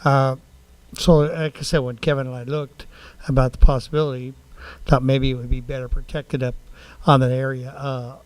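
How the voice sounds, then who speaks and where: Halting, plain-spoken man at a meeting. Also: mid-range voice, flat delivery, no room sound. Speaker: city council member. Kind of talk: public meeting discussion.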